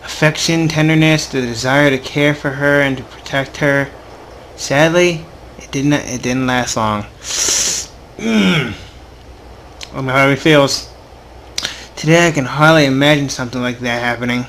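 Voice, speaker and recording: A man's voice: mid-range voice, unhurried, pauses often, fairly bright tone, slight background noise. A young adult man hosting a casual gaming video, reading story text aloud informally with offhand asides and the occasional stumble.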